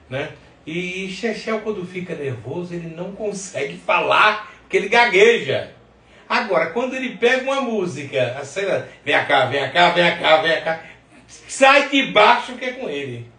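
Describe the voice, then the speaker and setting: Higher-voiced Northeastern Brazilian man, echoey room. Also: gravelly, sharp tone. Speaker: podcast host. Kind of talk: casual opinionated chat. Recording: roomy echo, distant mic.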